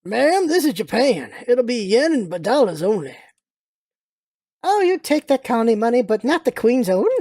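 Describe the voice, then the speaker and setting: A woman playing a gruff older male restaurant owner with a Southern US accent and a blunt, folksy manner. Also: on the high side, big pitch swings, normal speed, dark tone, no echo, clean studio sound. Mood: stern.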